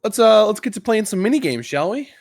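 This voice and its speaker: A man's voice: high-pitched, big pitch swings, quick pace, creaky, a little mellow, no echo. Man hosting, close dry sound. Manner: informal, conversational. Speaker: podcast host. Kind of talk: casual gaming podcast chat, explaining a quiz game.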